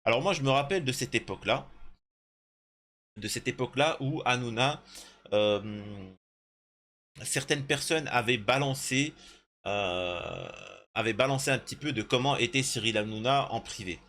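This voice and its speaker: A man with a bright, forceful voice reads a news article aloud, then keeps breaking off into his own commentary. His asides ramble and are full of hesitations, and he talks straight to his viewers in an indignant tone. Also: medium pitch, lively intonation, normal speed, pauses often.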